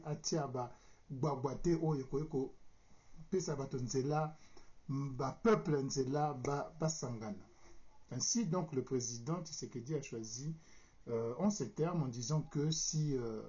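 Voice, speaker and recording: A man from the Republic of the Congo with a Congolese accent, giving a formal, deliberate political commentary with hesitant pauses as he searches for words. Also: mid-range voice, dark tone. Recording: dull, lo-fi sound.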